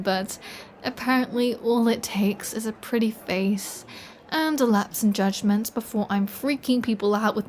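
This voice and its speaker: Woman acting a slow, flirty female vampire. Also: mid-range voice, lightly acted. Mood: playful chatty. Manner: teasing, chatty, unhurried. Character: flirty playful female vampire, teasing and self-assured. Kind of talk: intimate roleplay audio acting, ASMR.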